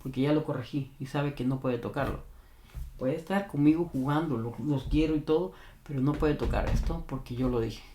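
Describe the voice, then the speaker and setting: A man's voice: medium pitch, brisk, mellow. A man working as a dog trainer, earnestly explaining advice to a viewer and repeating his key points for emphasis. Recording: roomy echo.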